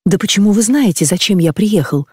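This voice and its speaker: A reader voicing a courteous young suitor. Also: male voice, high-pitched, expressive, a little fast, a little mellow, husky. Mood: earnest formal. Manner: courteous, formal phrasing. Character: polite young gentleman suitor, formal and earnest.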